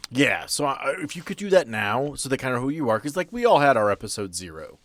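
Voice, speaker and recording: A man's voice: mid-range voice, big pitch swings, fast, fairly bright tone, dry recording. A man hosting a podcast, explaining and prompting in casual conversation. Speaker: podcast host.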